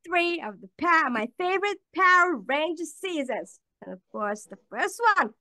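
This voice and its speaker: A woman in her twenties from Bulgaria, a native Bulgarian speaker, chatting as a panel guest with many fillers and pauses. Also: high-pitched, expressive, sharp tone, no echo. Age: 20s. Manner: halting, many fillers, laughs. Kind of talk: casual chat.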